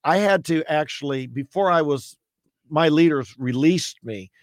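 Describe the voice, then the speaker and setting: A man with a loud, earnest preacher's voice, pitched a little above most men. He speaks as a guest on a radio talk show, emphatic and full of restarts. The recording is dry and close, with no room sound. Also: measured pace, no echo. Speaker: campus evangelist.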